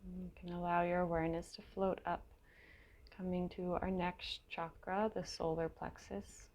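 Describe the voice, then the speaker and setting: Creaky-voiced woman guiding a meditation, even tone. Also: lowish voice. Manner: gentle, unhurried, with long pauses between short phrases. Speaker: meditation guide. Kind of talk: guided meditation, slow and soothing.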